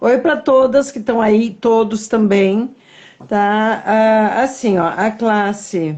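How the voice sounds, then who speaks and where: A woman with a fairly high voice speaks at a very slow pace. Her loudness stays very even, with ordinary pitch variation. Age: 60s. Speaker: course participant. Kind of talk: casual live chat.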